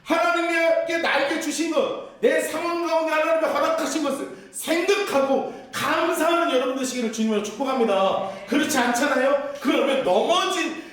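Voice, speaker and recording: A man preaching a sermon as pastor, impassioned and at times shouting. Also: high-pitched. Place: church sanctuary. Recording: echoey church hall, voice from a distance.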